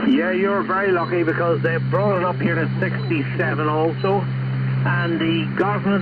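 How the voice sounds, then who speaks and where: A man speaks at a moderate pace over noticeable background noise, with audible room echo around him. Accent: Northern Irish. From Northern Ireland. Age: 60s. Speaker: amateur radio operator. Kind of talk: ham radio conversation. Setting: shortwave radio transmission.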